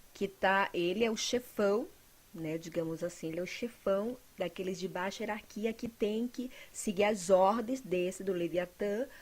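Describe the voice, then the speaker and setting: A woman with a normal speaking voice talks at a moderate pace and a fairly high pitch. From northern Brazil, Pará. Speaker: evangelical preacher. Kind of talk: religious testimony.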